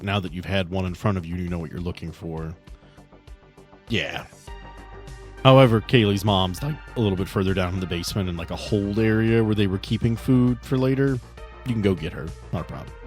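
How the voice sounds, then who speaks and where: A man's voice: deep voice, a little fast, soft background music. A man casually narrating and refereeing a tabletop game as game master.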